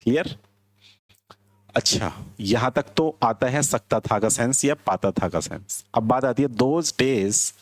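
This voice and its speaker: A man teaching English in a classroom lecture, explaining slowly and asking his students whether they understand. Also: medium pitch, no echo.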